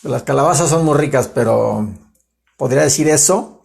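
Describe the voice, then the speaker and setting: A man's voice: medium pitch, normal speed, gravelly. Chatty Mexican man giving a lesson. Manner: animated, chatty, self-interrupting with asides to viewers. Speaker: writer giving a live grammar talk. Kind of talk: informal livestream lesson.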